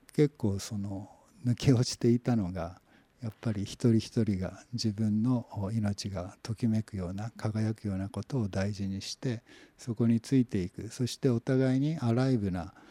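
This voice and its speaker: In a dry, close sound with no echo, a man talks at a moderate pace with a dark, mellow tone, fairly low pitch and fairly even intonation. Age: 60s. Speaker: university professor. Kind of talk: casual chat. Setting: studio in total darkness.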